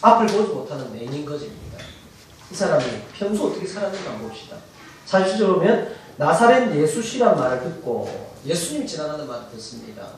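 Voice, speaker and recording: A male pastor preaching a sermon, questioning the congregation and rising to shouts at high points. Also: quick pace, slight background noise. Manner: animated preaching, quizzes the congregation, rises to shouts. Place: church sanctuary. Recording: very echoey church hall, mic far off.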